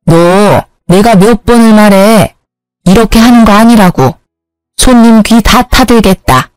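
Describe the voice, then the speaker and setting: A woman voicing a bossy older mother-in-law who scolds slowly in a storybook narration. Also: mid-range voice, lively intonation, a little mellow, smooth, no echo, lightly acted. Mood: scolding.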